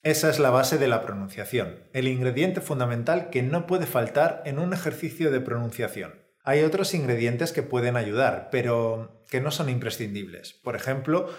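A man of middle pitch explains a lesson calmly, in a scripted podcast manner. The recording has a roomy echo around his voice. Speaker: Spanish teacher.

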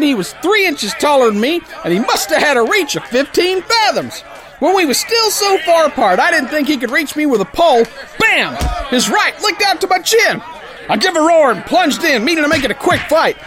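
An actor playing a brash, good-hearted young sailor boxer who spins his yarn in folksy tough-guy slang for a radio comedy. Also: very high voice. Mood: exasperated, excited. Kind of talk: old-time radio comedy, first-person yarn spinning.

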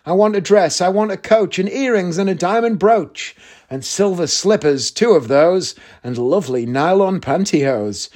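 A man's voice: high-pitched, normal speed, darkish tone. A man voicing a young woman, a dreamy, demanding Cinderella, in a read-aloud verse fairy tale.

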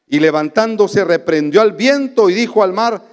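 A man with a Honduran accent preaching a sermon as pastor, swinging between loud exclamations and soft low asides. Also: animated, moderate pace. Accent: Honduran Spanish. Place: church sanctuary. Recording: long church reverb.

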